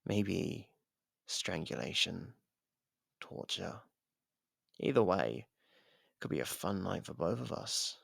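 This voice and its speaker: Man acting a gravelly, taunting jailed killer. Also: deep voice, big pitch swings, a bit bright, dry recording, clean studio sound, heavily acted. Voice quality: gravelly, husky. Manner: taunting, theatrical, drawn-out pauses. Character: taunting, sardonic imprisoned murderer baiting a detective. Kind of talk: ASMR roleplay monologue. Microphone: close microphone, dry.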